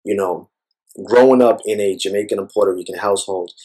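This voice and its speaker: A man's voice: lowish voice, brisk, warm tone, husky, rough recording. A man speaking as an interview guest, talking thoughtfully in a rambling way with many fillers. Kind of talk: reflective personal conversation.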